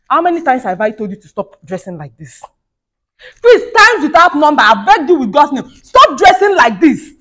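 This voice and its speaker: A woman playing a fiery young wife who rants and scolds, repeating herself. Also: on the high side. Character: fiery young wife feuding with her mother-in-law. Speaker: skit actor. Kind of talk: comedy skit acting.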